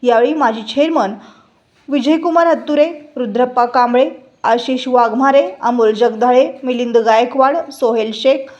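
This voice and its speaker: Female news voice-over, high pitch, steady formal read of names and details. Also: moderate pace, dull audio. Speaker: news reader. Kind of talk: scripted local news narration.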